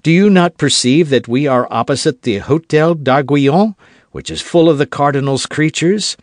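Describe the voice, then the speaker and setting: A man voicing a suave young musketeer who is half a churchman, speaking in a measured, dryly mocking, controlled way in an audiobook. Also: on the high side, no room sound, studio quality, voice pushed up, close to an everyday voice. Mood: wry, composed. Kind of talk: audiobook character voice.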